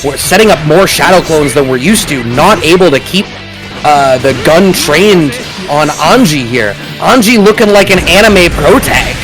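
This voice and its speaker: A man commentating a fighting game tournament, excitable and animated, breaking into shouts at big plays. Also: a little high, normal speed, poor audio. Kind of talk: esports play-by-play commentary. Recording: music playing underneath.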